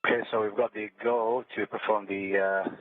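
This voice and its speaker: A man from the United Arab Emirates, an astronaut on the station, giving halting procedural calls over a noisy, crackly space-to-ground radio link. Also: fairly low pitch, dry recording. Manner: flat, halting, with frequent uh fillers. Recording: hissing, narrow-band radio transmission.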